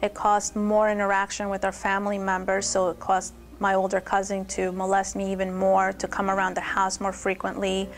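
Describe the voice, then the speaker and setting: A young adult woman from Peru telling her personal testimony in a steady, earnest way. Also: medium pitch, moderate pace, hardly any pauses. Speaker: testimony speaker.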